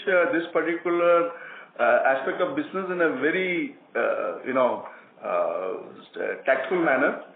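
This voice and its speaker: A man answering questions as a company executive on an earnings call, explaining in halting, repetitive phrases. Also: fairly high pitch. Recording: tinny phone line, roomy echo, faint noise.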